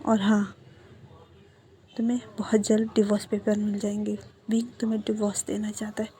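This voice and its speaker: A woman's voice: medium pitch, completely flat delivery, moderate pace, dark tone, close to an everyday voice. A woman voicing a hot-tempered young man who scolds and defends his best friend in a read-aloud story. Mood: angry. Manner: scolding, heated.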